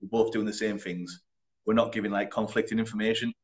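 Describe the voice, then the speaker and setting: A young man, a personal trainer, answering in a relaxed, chatty way with blunt wording and frequent laughs. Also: fairly low pitch, fast talker. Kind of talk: casual interview.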